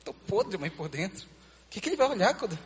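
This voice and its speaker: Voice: mid-range voice, very animated, fairly quick, big-room sound, very noisy, lightly acted. An actor playing an anxious, skeptical adult son in a comic church sketch, constantly interjecting and reacting. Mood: hurting.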